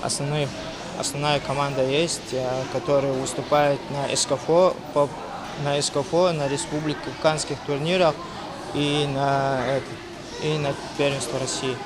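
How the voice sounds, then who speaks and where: A man, a martial arts coach in a training gym, calling out counts and short commands to his fighters and answering interview questions with hesitant pauses. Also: mid-range voice, little pitch movement, a crowd in the background.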